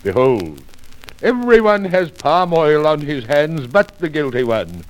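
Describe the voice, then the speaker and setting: An actor playing a proud, stern, cunning Arab chieftain with pompous, formal diction in a 1940s radio drama. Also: male voice, fairly high pitch, sing-song, unhurried. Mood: smug. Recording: noisy old radio recording with clicks.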